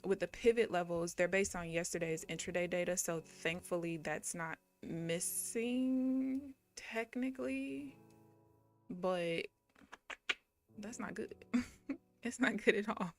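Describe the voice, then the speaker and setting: A young woman from Missouri talks through her trades in a relaxed, chatty live-stream voice that sits on the low side. She laughs easily and chats with her viewers as she goes. Faint music plays under her. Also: slow pace. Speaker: day trading livestreamer. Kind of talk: casual live-stream commentary.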